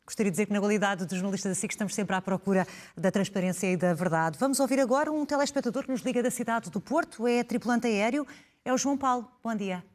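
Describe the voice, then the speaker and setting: A woman presenting a live TV phone-in, brisk and polished as she introduces callers. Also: medium pitch, darkish tone.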